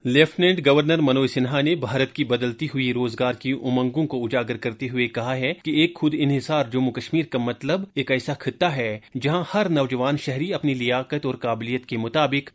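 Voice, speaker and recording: A man reading a scripted news bulletin in a formal, measured way as a news reader. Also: mid-range voice, a bit bright. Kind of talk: scripted Urdu-register news bulletin narration.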